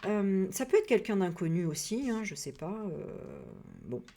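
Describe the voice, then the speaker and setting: A woman from France giving a casual spiritual reading, rambling with many hesitations and frank, animated asides. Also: mid-range voice, unhurried. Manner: rambling, full of hesitations and fillers. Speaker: psycho-energy practitioner and medium.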